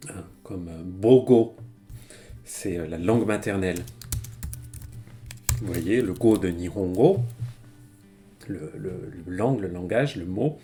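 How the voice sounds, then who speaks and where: His voice sits low and sounds a little mellow. Streaming from home, this Japanese teacher runs a laid-back language lesson, explaining with plenty of fillers and frequent laughter.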